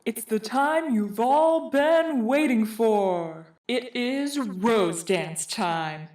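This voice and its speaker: A woman playing a campus dance announcer in an audio drama, rallying the couples with a drawn-out delivery. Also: fairly high pitch, lively intonation, darkish tone. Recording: distant, echoing hall sound, music underneath.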